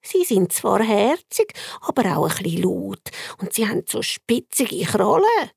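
A woman's voice: medium pitch, very animated, a little slow, vocal fry, darkish tone, slightly rough, no room sound, clean studio sound, pitched above the performer's own voice, exaggerated voice. A woman with a Swiss German accent voicing a doting old grandmother who coos and fusses. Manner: cooing, fussy.

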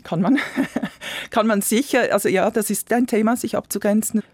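A man, answering interview questions in a hesitant, reflective way and often trailing off softly. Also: high voice, normal speed, no room sound. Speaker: guest, volunteer program coordinator. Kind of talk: interview conversation.

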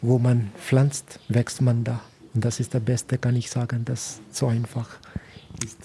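Male priest from India, non-native speaker, dark mellow voice, hesitant, interview. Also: medium pitch, level tone, a little hiss or hum. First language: not German. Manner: halting, searching for words. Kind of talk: radio interview.

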